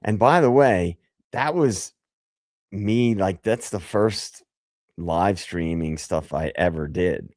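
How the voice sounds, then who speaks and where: A hoarse man with a very low voice hosts a late-night livestream. He talks slowly and loosely, joking and swearing. The sound is close and dry. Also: a little mellow, no echo. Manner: loose and profane, jokey. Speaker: livestream host. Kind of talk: casual livestream chat.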